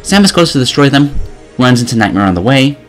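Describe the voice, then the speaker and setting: A man's voice: mid-range voice, sing-song, quick pace. A man reading scripted video game review commentary in a sarcastic, exasperated manner. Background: music.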